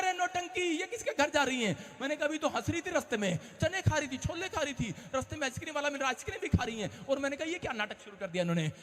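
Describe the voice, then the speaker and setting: A man preaching a sermon as a pastor, shouting and acting out scenes as he tells stories. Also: extremely high pitch. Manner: shouting, dramatic storytelling. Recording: long hall reverb.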